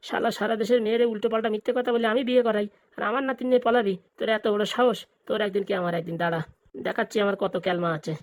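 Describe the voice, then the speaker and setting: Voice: mid-range voice, steady tone, very fast, no room sound, lightly acted. A performer voicing a protective, crafty village grandfather in a comedy cartoon, talking colloquially and grumbling. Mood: vengeful muttering. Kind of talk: exaggerated cartoon comedy dialogue.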